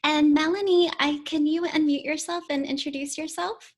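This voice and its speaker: A high-pitched woman hosts a live panel over a video call. She sounds upbeat and encouraging, and she leans on fillers between thoughts. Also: steady tone, normal speed.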